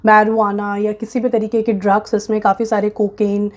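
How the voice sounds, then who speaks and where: A woman's voice: medium pitch, little pitch movement, normal speed. A woman with an Indian accent giving an informal explainer to viewers, frank and emphatic, slipping English phrases into her explanations. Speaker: presenter of a job recruitment guide.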